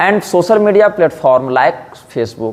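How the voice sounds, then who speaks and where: A man speaks with a non-native accent at a fairly slow pace, his pitch swinging very widely. Music plays in the background. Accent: non-native English speaker, self-described. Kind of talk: public statement. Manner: formal; careful, not fluent.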